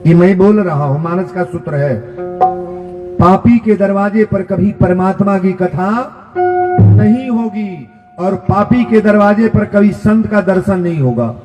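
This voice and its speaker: A man with a Bhojpuri accent preaching a live devotional sermon, repeating lines for emphasis and chanting verses slowly. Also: high voice, lo-fi sound. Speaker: kathavachak preacher. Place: live religious gathering. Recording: echoey hall with music behind.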